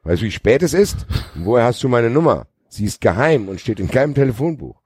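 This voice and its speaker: A man's voice: mid-range voice, big pitch swings, fairly quick, darkish tone, breathy edge, no echo, voice pushed up. A man reading aloud and voicing an annoyed middle-aged man answering a late-night call. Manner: annoyed, curt.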